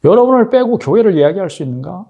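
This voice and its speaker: Gravelly-voiced male pastor exhorting. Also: high voice, very animated, fast, dark tone, dull audio. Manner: exhorting, rhetorical questions to the congregation. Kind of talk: sermon.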